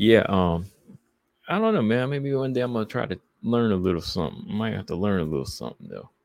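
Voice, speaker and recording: The speaker talks at a very fast pace with lively intonation and a Southern US accent. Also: man, medium pitch for a man. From US Southeast. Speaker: MMA commentator, podcast host. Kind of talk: casual live-streamed talk show. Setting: live stream, online video. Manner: casual, rambling, conversational.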